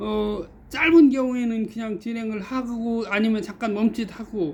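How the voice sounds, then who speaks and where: A man with a high pitch speaks at a fairly slow pace against noticeable background noise. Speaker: commentator on current affairs; administrative agent, former civil servant and candidate. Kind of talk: solo commentary to camera. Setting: office. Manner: occasionally tangled pronunciation in early morning; halting, with fillers and self-corrections.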